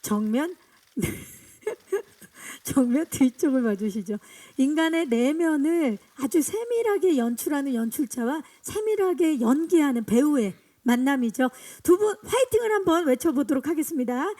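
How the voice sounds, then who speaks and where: An event host emcees a press screening, cheerfully directing guests into photo poses and handling introductions. Her voice sits high and sounds animated and mellow, and she speaks a little slowly.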